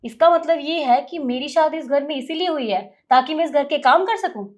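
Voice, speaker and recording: A woman's voice: sits high, brisk, lightly acted. A woman playing a defiant young daughter-in-law. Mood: pleading. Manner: pleading then defiant. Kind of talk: Hindi family drama acting.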